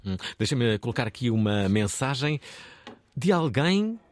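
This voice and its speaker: A man's voice: medium pitch, very animated, unhurried, no room sound. A man with a European Portuguese accent hosts a radio talk show. He is chatty and repeats words as he goes. The studio microphone is dry and close. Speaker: radio host.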